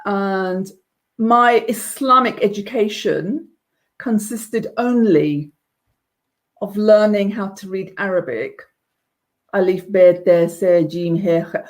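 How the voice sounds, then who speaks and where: Earnest woman around fifty. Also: mid-range voice. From England. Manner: earnest, measured, with some restarts. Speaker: interview guest. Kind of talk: personal testimony in conversation.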